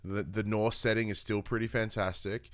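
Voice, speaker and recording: Male podcast co-host, casual and rambling, smooth low-mid voice, dry sound. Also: level tone, normal speed, no room sound. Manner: rambling, upbeat, lots of fillers and restarts. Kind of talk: casual gaming podcast chat.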